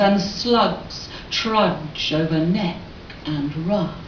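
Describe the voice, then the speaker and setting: A Cornish accent with ordinary pitch variation, amid noticeable background noise and audible room echo. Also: woman. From Cornwall. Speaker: performance poet. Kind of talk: poetry reading.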